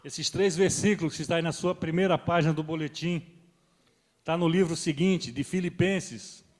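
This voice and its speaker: A middle-aged man preaching a sermon as pastor, swelling loud on key points and then dropping soft. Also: a little high, moderate pace. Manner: rises and swells with emphasis, then drops soft. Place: church hall. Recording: long reverb of a church hall.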